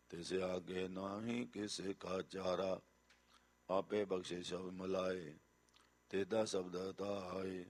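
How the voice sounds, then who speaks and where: A man with a very deep voice chants sacred verses at an unhurried pace. His delivery is measured and melodic, and he now and then repeats a line before moving on. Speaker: scripture reciter. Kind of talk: slow chanted scripture recitation.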